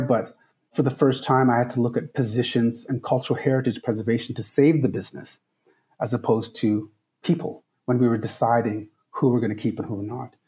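A man from Trinidad speaks as a podcast guest, earnest and emphatic, often repeating his key points. His voice is mellow and warm, with a relaxed tone. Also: mid-range voice. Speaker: guest, travel company founder. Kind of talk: podcast interview answers.

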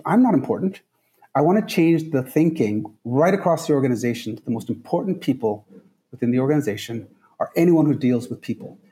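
A man from Trinidad speaks as a podcast guest, earnest and emphatic, often repeating his key points. His voice is mellow and warm, with a relaxed tone. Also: medium pitch. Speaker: guest, travel company founder. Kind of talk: podcast interview answers.

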